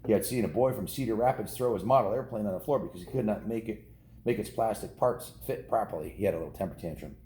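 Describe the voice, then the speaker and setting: An American man in his fifties reads a story to kids in a low, very mellow voice. His delivery is folksy and informal, slipping into casual asides and correcting himself as he goes. The room adds noticeable echo. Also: fast. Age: 50s. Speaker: storyteller reading a children's book to kids. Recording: roomy echo with faint background noise.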